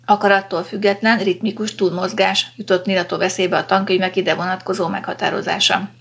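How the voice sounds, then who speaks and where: A woman narrating a science fiction story in a steady, measured audiobook reading. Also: mid-range voice, vocal fry, slightly rough, lo-fi sound.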